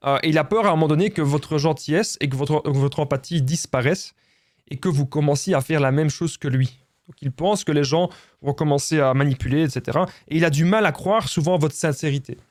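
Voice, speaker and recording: A man's voice: a little high, darkish tone, dry recording, clean studio sound. A man with a Belgian French accent giving relationship advice straight to his viewers, insistent and repetitive, often calling them his friends. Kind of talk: direct-to-camera advice talk.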